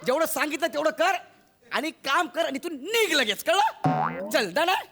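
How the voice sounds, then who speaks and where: A man's voice: extremely high pitch, sing-song, unhurried, vocal fry, very noisy. A man with a Marathi accent playing a bossy film director in a stage comedy sketch, coaxing and giving orders.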